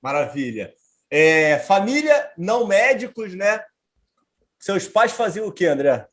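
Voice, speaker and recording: High-voiced man asking casual questions. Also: very animated, takes it slowly, fairly bright tone. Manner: informal and curious, asking questions with slang. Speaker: podcast host. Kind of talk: casual interview conversation.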